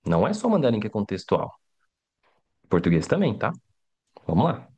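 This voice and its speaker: A man's voice: lowish voice, huge pitch swings, moderate pace, a little mellow, slightly rough. A middle-aged man teaching a live online language lesson in a casual, chatty way, often checking in with his students. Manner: casual, chatty, keeps adding tag questions. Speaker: Mandarin teacher.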